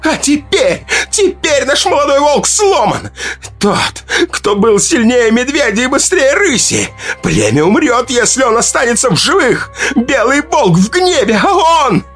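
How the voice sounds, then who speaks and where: Brief: shrill, screaming tribal herbalist mother, voiced by a man, wild and furious, audiobook. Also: very animated, a little slow, a bit bright, breathy edge, soft background music, full character voice. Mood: hysterical.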